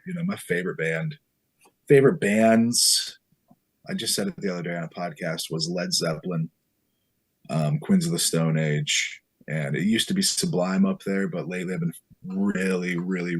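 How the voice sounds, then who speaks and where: A man's voice: low voice, normal speed, husky. A man guesting on a podcast as a musician, chatting in an easygoing, laid-back way. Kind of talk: casual interview chat.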